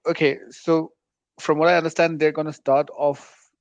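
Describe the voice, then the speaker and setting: A man's voice: a little high, level tone, moderate pace, no echo. Guy co-host asking stuff kinda tentative, dull lo-fi mic, dry. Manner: questioning, tentative. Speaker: podcast co-host. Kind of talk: casual podcast chat.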